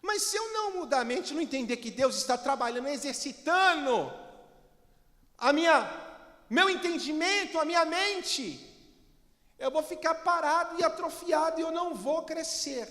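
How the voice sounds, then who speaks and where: A Brazilian pastor preaches an emphatic sermon in a very high, bright, forceful voice, calling on his congregation to answer back. His words ring with a long reverb through a church hall. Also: animated, moderate pace. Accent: Brazilian Portuguese.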